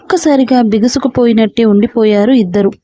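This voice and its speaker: A woman storyteller giving a steady scripted story narration. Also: a little high, brisk, dull audio.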